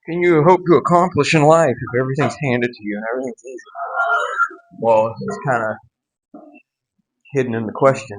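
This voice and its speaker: A man teaching the Bible in an easygoing, conversational way, sprinkling in wry asides. His voice sits at an ordinary middle pitch. He sounds like he is talking to friends in a home gym rather than preaching from a pulpit. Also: rough recording.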